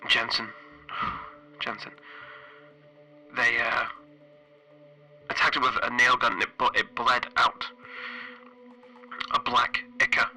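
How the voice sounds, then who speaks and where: A man playing a weary, frightened spaceship engineer in a solo role-playing game, recording a halting, hesitant audio log. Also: mid-range voice, very animated, gravelly, pushed and bright, soft background music, heavily acted, low-quality recording. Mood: uneasy, haunted. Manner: hesitant, halting, broken phrasing.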